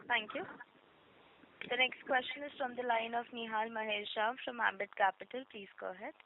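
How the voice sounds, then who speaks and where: Tinny phone audio, woman conference call operator w slightly high voice, formal scripted announcements. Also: fairly even intonation, normal speed, a little hiss or hum. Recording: tinny narrow phone line.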